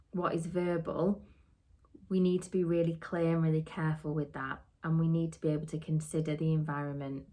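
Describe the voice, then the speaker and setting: A middle-aged woman, giving an earnest, steady training talk on social work and asking many rhetorical questions. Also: low-pitched. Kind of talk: podcast teaching talk.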